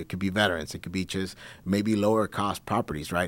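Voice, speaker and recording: In a very clean recording with a silent background, a man with a normal speaking voice and fairly low pitch talks at a fairly quick pace. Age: 40s. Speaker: former Marine turned real estate agent. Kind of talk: casual interview chat.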